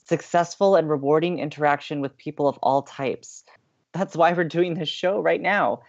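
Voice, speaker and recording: A man's voice: on the high side, normal speed, dull audio, close to an everyday voice. A young man playing an upbeat, romantic-minded college radio co-host in an audio drama, earnest, playful and teasing. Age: young adult. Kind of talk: scripted audio drama banter.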